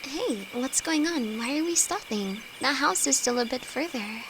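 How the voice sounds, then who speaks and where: A woman's voice: high-pitched, lively intonation, normal speed. A woman acting a timid, affectionate young apprentice alchemist in an intimate audio roleplay, nervous, stammering and hesitant, speaking to her best friend. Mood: worried. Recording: insect and cricket noise behind voice. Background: night forest ambience with crickets.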